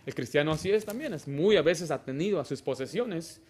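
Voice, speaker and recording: A man delivering a sermon as a pastor, his voice sitting a little higher than most men's. He swings from loud exclamations to quiet, confiding asides and acts out the people he quotes. A faint hiss sits behind him. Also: expressive, brisk. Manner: acts out children and church members in quoted lines.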